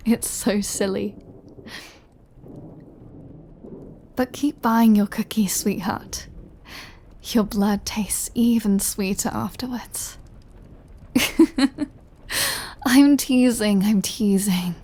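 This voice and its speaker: A woman playing a centuries-old vampire lover in an intimate audio roleplay, tender and brooding, speaking softly and confidingly and often dropping to a whisper. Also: mid-range voice, drawn-out words, long pauses. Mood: playful, teasing.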